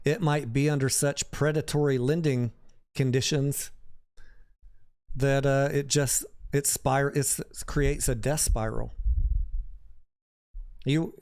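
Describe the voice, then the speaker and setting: A man's voice: mid-range voice, fairly even intonation, slow pace, pauses often, a little mellow. A man hosting a livestream, talking casually about the stock market and answering viewers by name in a conversational way.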